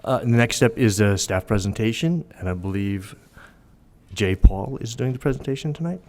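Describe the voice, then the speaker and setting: A man's voice: fairly low pitch, expressive, moderate pace, darkish tone. A man chairing a city planning meeting, hesitant and apologetic, with many ums. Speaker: commission chair. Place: council chamber.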